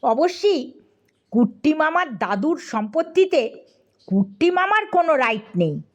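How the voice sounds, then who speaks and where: A woman narrating a comic audiobook story in a lively, playful way, speaking to the listener. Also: sits high, unhurried, lo-fi sound.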